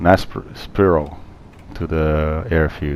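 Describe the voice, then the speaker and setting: Over noticeable background noise, a man with a very deep, low pitch speaks at a fairly slow pace with fairly even intonation. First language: Portuguese. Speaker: flight sim gamer. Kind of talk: gameplay tutorial commentary. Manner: halting.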